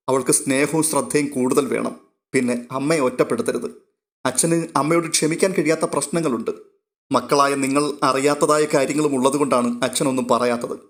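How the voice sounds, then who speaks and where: A man voicing a kind, tearful young woman who gently comforts her family as she leaves. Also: mid-range voice, natural voice. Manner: gentle, soothing, motherly.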